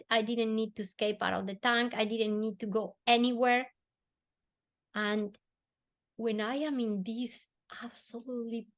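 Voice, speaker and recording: Telling her story in a podcast interview, this guest from Colombia speaks in a fairly high voice. Her manner is earnest, and she eases up and softens whenever a word carries emotion.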